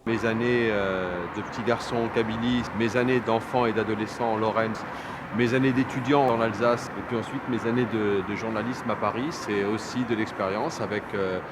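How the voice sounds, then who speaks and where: A man in a documentary clip, reflecting haltingly, recorded outdoors in a town. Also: lowish voice, steady tone. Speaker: documentary interviewee. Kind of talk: interview clip. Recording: outdoors with loud street noise.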